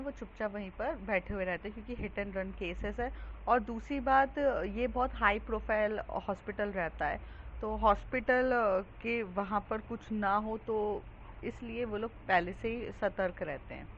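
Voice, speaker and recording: Chatty woman storyteller, lo-fi. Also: mid-range voice. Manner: conversational, with frequent fillers. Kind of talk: casual story narration. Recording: dull lo-fi with faint hiss.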